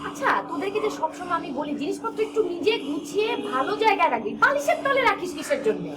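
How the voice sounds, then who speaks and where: A woman's voice: very high-pitched, sing-song, fast talker. An actress playing an exasperated woman who scolds her household in a TV drama. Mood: scolding. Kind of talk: TV drama acting. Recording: echoey room with noticeable background noise.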